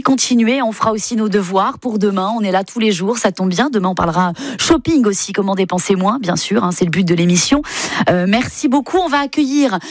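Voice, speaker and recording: A woman hosting a live radio show in a studio, exclamatory and quick to laugh. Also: medium pitch. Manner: warm-hearted, exclamatory, laughs often. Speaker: radio host. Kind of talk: lively live radio chat.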